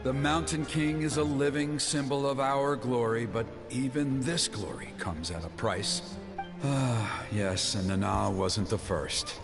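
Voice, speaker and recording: An actor playing a scheming male tribal elder who speaks slowly and deliberately. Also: medium pitch, lightly acted. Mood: musing. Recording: reverberant game audio with music.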